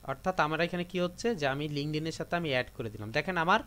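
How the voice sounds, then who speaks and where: Fast and expressive, this Bangladeshi man runs a live computer class tutorial, giving his students repeated step-by-step guidance. His voice leans high, with a fairly bright tone.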